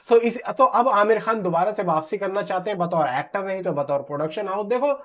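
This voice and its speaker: A man, giving informal film commentary to camera in an emphatic, conversational way and repeating phrases for stress. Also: high-pitched. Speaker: film news vlogger. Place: small room at home, indoors. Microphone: clip-on lapel mic. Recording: slightly dull, muffled sound.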